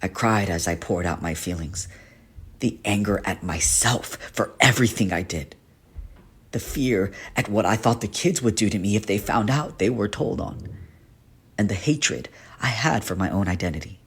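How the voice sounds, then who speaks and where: A man acting a husky, earnest, haunted guardian. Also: fairly low pitch, moderate pace. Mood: hurting, confessional. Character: gentle guardian teacher, male shapeshifter haunted by a painful past. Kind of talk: dramatic character monologue for a voice reel.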